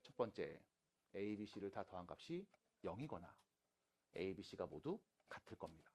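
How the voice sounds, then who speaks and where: A man teaching math to high school students in a classroom, casual and teasing, switching between polite and plain speech. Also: big pitch swings, measured pace, a little mellow, slightly rough. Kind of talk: classroom lecture.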